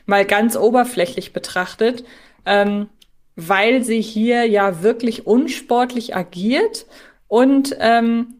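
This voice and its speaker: A woman's voice: fairly high pitch, takes it slowly. A woman co-hosting a podcast, chatting casually and reflectively, thinking aloud as she discusses. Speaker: podcast co-host.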